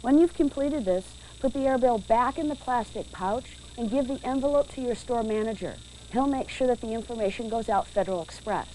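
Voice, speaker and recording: A woman narrates a training video in a clear, measured, instructive voice that sits slightly high. The sound comes from a worn VHS tape copy, with a faint hiss behind her. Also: dark tone, low-quality recording.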